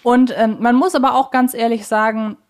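A woman's voice: on the high side, fairly even intonation, moderate pace. Reflective woman podcaster. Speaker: podcast co-host. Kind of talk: casual conversational podcast discussion.

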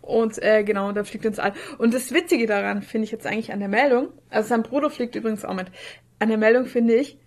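A woman with a fairly high voice co-hosts a podcast. She chats casually, explaining things in an informal, slightly halting way. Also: steady tone, a little mellow. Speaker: podcast co-host. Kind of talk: casual chat.

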